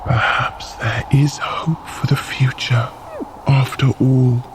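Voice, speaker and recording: An actor playing a reserved, sincere frost giant guide in an audio drama, with formal, measured, stiff speech. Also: male voice, medium pitch, little pitch movement, natural voice. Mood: hesitant, sincere. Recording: noticeable outdoor ambience noise.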